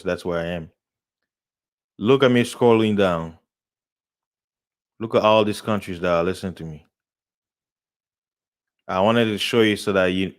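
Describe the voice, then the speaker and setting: A man hosting his own live show, rambling in casual talk, laughing often and jumping up loud and high when excited. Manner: rambling, laughs often, many fillers and restarts. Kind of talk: casual live-stream rant.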